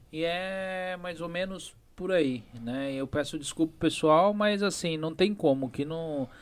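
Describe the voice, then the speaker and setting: Hardly pausing at all, a man speaks at a very slow pace. His pitch is high, with ordinary pitch variation. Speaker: podcast host. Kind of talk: casual interview chat. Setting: live stream.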